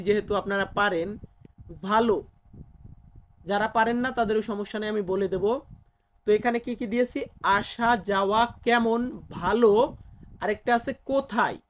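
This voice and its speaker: Patient man teaching a language lesson. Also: high-pitched. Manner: patient, spells out and repeats each word slowly.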